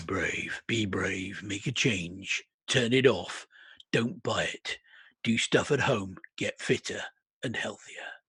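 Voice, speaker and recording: A man puts on a raspy character voice at a medium pitch. He moves at a fairly slow pace, leaving long, frequent pauses. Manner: grave, persuasive.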